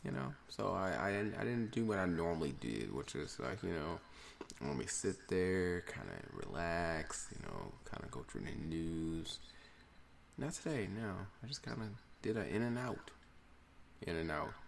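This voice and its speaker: Gravelly, animated male podcast host. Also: low voice, normal speed, slight background noise. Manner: chatty, rambling, opinionated. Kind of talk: casual solo podcast monologue.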